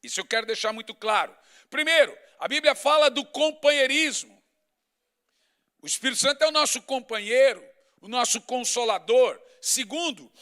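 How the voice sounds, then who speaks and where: A middle-aged pastor gives a sermon in a relaxed, conversational way, driving his points home with repetition, lists, and asides. For a man his voice is high, with a bright, tense quality.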